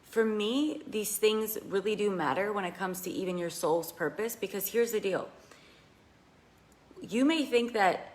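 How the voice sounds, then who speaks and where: A slightly raspy woman giving an earnest coaching talk on a live video, asking her listeners questions. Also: mid-range voice. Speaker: money mindset coach. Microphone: phone held in hand.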